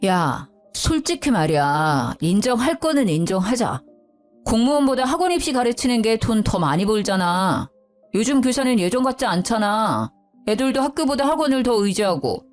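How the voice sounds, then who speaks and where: A woman voicing a sarcastic husband who belittles his wife's job, lowering her voice for him. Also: big pitch swings, normal speed, faint music behind. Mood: sneering. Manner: sneering, sarcastic.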